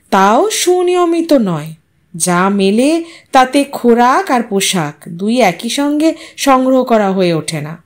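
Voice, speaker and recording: A woman storyteller giving a scripted, dramatic narration of a short story. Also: a little high.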